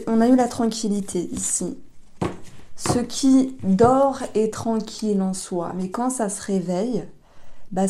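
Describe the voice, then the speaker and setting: A woman gives a tarot reading in a gentle, unhurried way, often stopping on fillers and correcting herself. Her voice is very dark and mellow. She sits at a middling pitch for a woman. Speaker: tarot reader.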